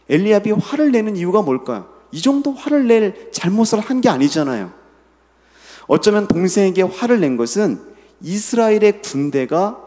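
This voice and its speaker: A man's voice: sits high, mellow. A middle-aged man preaching a sermon as senior pastor, leading the congregation in reading scripture and asking them questions. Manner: asks the listeners questions. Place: church sanctuary. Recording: long hall reverb.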